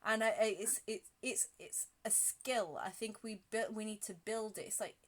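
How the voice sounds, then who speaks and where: A woman's voice: medium pitch, fairly even intonation, moderate pace. Earnest woman thinking aloud. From United Kingdom. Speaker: podcast host. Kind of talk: casual conversation.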